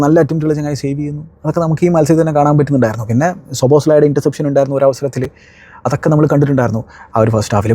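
Fast-talking man reviewing a football match. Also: medium pitch, mellow, no room sound. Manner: conversational, emphatic exclamations. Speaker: football analyst.

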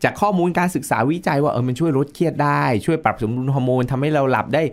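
A man's voice: medium pitch, very fast. A man who is a nutrition expert, explaining as an interview guest in a casual, lecturing way, dropping in English technical terms.

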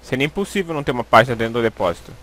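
A man's voice: mid-range voice, animated, rapid-fire, fairly bright tone. A young Brazilian man with a Brazilian Portuguese accent giving jumpy, swearing commentary as he plays a horror game into a headset. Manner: jumpy, swearing, panicky pleading. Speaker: gaming YouTuber.

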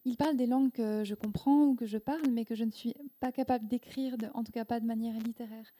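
A woman in her thirties, Korean as her first language, speaks into a handheld microphone at a live event. Her voice sits a little high yet sounds deeply mellow and warm. She talks thoughtfully, pausing and restarting as she searches for words. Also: steady tone. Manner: thoughtful, halting, with many restarts and fillers. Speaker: guest author. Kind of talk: reflective interview answers. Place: indoor event room with audience.

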